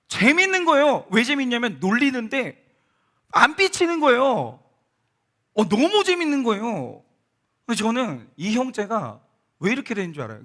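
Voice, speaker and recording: Male pastor preaching, lively storytelling, high bright voice, very expressive pitch. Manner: animated storytelling, acts out quoted voices; conversational, addresses congregation directly. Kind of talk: sermon. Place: church sanctuary.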